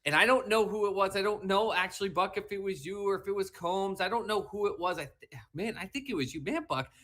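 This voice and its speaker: A man's voice: sits high, animated, quick pace, a bit bright. A man co-hosting a sports talk show, lecturing emphatically and repeating his points, with a whiny, slightly mushy voice. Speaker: podcast co-host. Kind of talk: animated sports talk rant.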